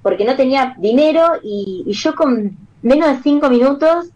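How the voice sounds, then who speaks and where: An Argentine woman with a high voice tells stories in a casual interview. She is animated and slips into the voices of the people she describes. The recording sounds slightly dull and lo-fi. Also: moderate pace. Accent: Argentine Rioplatense. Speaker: children's singer, guest.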